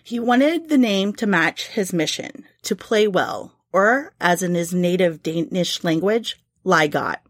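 A woman's voice: fairly low pitch, animated, unhurried, few pauses, no echo, clean studio sound. A woman hosting a podcast, telling a history story in a casual, chatty way, now and then swearing and laughing. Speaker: podcast host.

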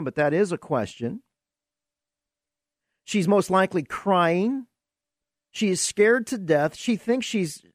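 A man's voice: on the high side, no echo, clean studio sound. A man hosting a Christian Q&A podcast, teaching in an earnest preaching style, asking rhetorical questions and repeating words as he searches for them. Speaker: podcast host and Bible teacher.

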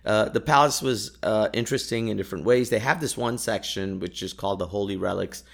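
A young podcast host, Urdu being his first language, chats casually about his trips, laughing often and restarting sentences amid lots of fillers. He speaks briskly in a fairly low, somewhat bright voice with vocal fry.

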